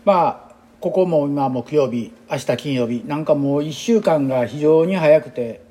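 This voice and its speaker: This is a man in his sixties who speaks with a Kansai accent, an exercise instructor musing aloud in a loose, chatty monologue. His voice sits a little high for a man. It has a soft, mellow color. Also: unhurried. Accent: Kansai Japanese. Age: 60s. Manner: rambling, chatty and reflective. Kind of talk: casual spoken monologue.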